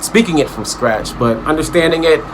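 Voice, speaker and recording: In another vlog clip, the same thirtysomething American speaks earnestly about language learning, motivating viewers and restarting his sentences as he moves from outdoors into a restaurant. His voice sits a little high, with lively intonation at a moderate pace, against a noisy background.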